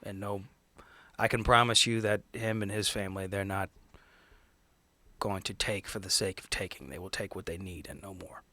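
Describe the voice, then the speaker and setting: A man playing a tabletop roleplaying game, improvising persuasive speeches in a casual, halting way. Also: deep voice, steady tone, pushed and bright, no echo. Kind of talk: improvised in-character negotiation and table talk.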